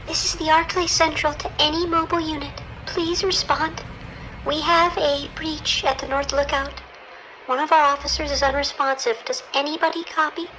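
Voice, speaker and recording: A woman playing a haunted ranger dispatcher giving grave, halting warnings in a horror radio drama. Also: high voice, fairly even intonation, sharp tone, a little hiss or hum, rough recording. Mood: urgent.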